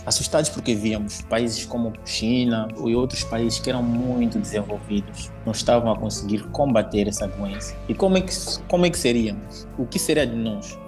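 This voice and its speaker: A man giving serious, reflective interview talk. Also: lowish voice.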